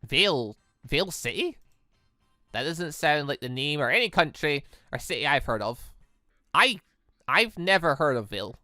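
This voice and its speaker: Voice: medium pitch, very animated, moderate pace, sharp tone, dry recording, studio quality, soft background music. A narrator voicing a bewildered, anxious young man in a visual novel, hesitant and dramatic. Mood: confused, alarmed.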